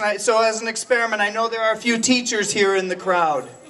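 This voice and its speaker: A high-pitched man's raised, projected voice at a fairly quick pace, fairly even in intonation, over noticeable background noise. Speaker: teacher and union leader. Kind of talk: rally speech. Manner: loud, rousing.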